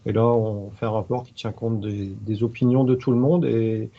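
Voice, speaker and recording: Man, gravelly, hesitant webinar panelist, lo-fi call sound. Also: medium pitch, level tone, normal speed. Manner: hesitant, many restarts and fillers. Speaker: expert evaluator panelist. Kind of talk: webinar discussion.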